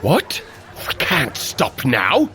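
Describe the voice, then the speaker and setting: A hearty, wildly animated warrior god. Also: male voice, medium pitch, drawn-out words, heavily acted. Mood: impatient, instructing. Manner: earnest, commanding, encouraging. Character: hearty, noble warrior god, protective and encouraging brother. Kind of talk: scripted audio adventure acting.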